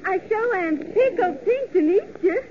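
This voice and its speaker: A giggly young Southern belle who gushes in a slow drawl. Her voice sits very high and lilts widely, heard through a dull, hissy old radio broadcast. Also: expressive. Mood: gushing.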